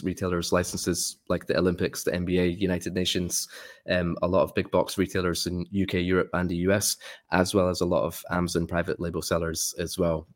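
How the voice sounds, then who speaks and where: A man from Scotland, a guest in a casual interview, explaining things in friendly, upbeat lists. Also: sits low. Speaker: guest, sourcing expert.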